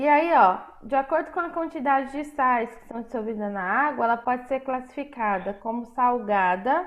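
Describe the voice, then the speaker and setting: Here a woman talks in a high pitch at a moderate pace. Her intonation is lively. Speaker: school science teacher. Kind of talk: online class lecture.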